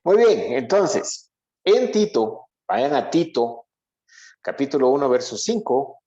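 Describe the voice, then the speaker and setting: A man's voice: medium pitch, sing-song, slow, dark tone. Man teaching the Bible, muffled audio. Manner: didactic, often checks understanding with short questions. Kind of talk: interactive Bible lesson to a congregation.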